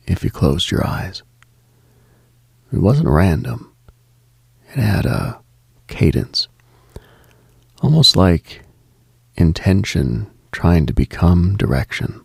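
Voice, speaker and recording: A man hosting late-night radio with a slow, reflective monologue, measured and contemplative with deliberate pauses. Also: sits low, gravelly, a little mellow, husky, no echo, clean studio sound.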